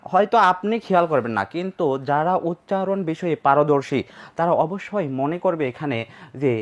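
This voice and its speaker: Bengali grammar teacher, a slightly high man. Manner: asks questions and answers them himself; repeats key points for emphasis. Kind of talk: online lecture over slides.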